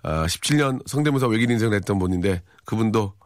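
A man in his forties hosting a live radio show, reading listener messages with dry, teasing deadpan humor. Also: fairly low pitch, fast, no room sound. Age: 40s. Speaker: radio host. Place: radio studio. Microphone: studio microphone.

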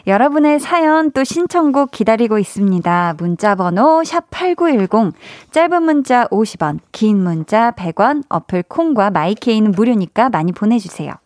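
A young woman hosting an evening radio show, chatting warmly and reading out listener messages with encouraging words. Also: on the high side, very animated, normal speed, hardly any pauses, dry recording, studio quality. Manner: warm encouraging, cheers listeners on. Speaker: radio host. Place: radio studio. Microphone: studio microphone.

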